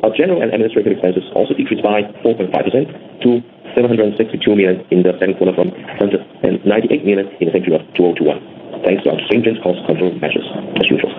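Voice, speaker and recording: Man, low voice, quick pace, scripted corporate results presentation, phone-band audio with faint noise. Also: narrow, tinny audio. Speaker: company finance executive presenting results.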